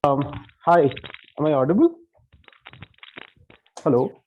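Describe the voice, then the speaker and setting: A man's voice: on the high side, very animated, takes it slowly, darkish tone. A man calling in over a phone line, giving a hesitant, casual self-introduction to an online group. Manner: hesitant, with many filler sounds. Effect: speaking over a phone line. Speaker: participant in an online empathy circle. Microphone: phone call.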